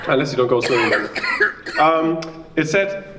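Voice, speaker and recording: A man's voice: medium pitch, moderate pace, noisy background. German guy doing a standup set, chatty and self-mocking, picks on the crowd, sounds a bit far off and roomy. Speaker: stand-up comedian. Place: small live venue with audience.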